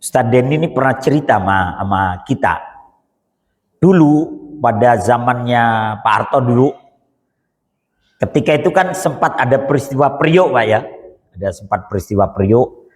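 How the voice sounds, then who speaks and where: A man's voice: mid-range voice, animated, normal speed, long pauses. A man preaching a sermon, telling stories with humor and chatty asides to the audience. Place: mosque hall. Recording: long reverb of a hall.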